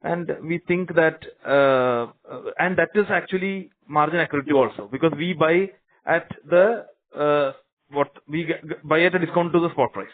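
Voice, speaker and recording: A man's voice: fairly high pitch, normal speed. Indian man on a thin phone line. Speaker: company executive answering investor questions. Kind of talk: earnings call question and answer. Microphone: conference call phone line. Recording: muffled narrow phone line.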